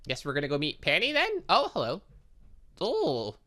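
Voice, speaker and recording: Bright-voiced, animated male let's player. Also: fairly high pitch, moderate pace. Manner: chatty, reacts aloud between read lines. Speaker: gaming channel host. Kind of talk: let's play commentary, reading visual novel dialogue aloud.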